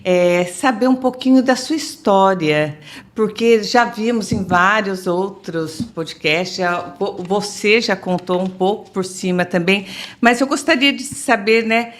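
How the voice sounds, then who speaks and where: A woman's voice: mid-range voice, unhurried. A woman hosting a podcast interview, asking polite questions and often adding tag questions. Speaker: podcast host.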